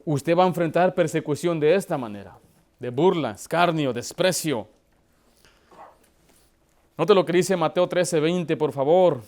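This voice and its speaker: A man's voice: on the high side, measured pace, pauses often, darkish tone. A man who is a pastor preaching a sermon, telling family stories and addressing the congregation directly. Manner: storytelling with acted quotes and direct address.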